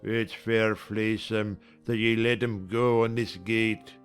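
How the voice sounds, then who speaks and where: A man playing a sour, pious old servant with a broad Yorkshire accent who scolds slowly in a dramatized reading. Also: fairly low pitch, level tone, clear, resonant tone, faint music behind. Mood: scolding. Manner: slow, scolding, preachy.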